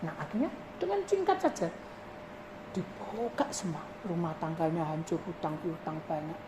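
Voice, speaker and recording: A woman's voice: fairly low pitch, moderate pace. A woman pastor, telling a testimony in her sermon and acting out the voices of the people in it. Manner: animated storytelling, acting out voices in dialogue. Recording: noisy live recording.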